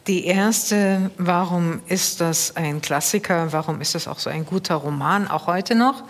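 A woman literary critic presenting her theses in a measured, deliberate way on a panel discussion. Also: on the low side, in a large hall.

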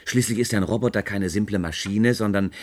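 An actor playing a fretful, easily flustered man in a radio drama, speaking in a hesitant, stammering, animated way. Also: lowish voice, brisk, lightly acted. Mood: worried. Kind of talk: 1970s German radio drama acting.

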